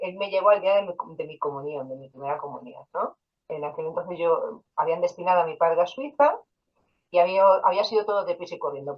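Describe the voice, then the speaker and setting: Low-voiced woman telling her story. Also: lo-fi sound. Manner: personal storytelling with quoted dialogue and fillers. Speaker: interview guest, hypnotherapist. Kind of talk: casual interview storytelling.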